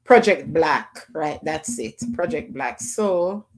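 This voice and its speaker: A woman's voice: deep voice, expressive, takes it slowly. A woman hosting a casual livestream call-in, chatting loosely and greeting viewers by name. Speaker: livestream host.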